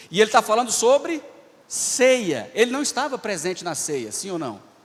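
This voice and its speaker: A man is speaking. His pitch is extremely high. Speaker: preacher. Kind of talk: sermon. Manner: fast.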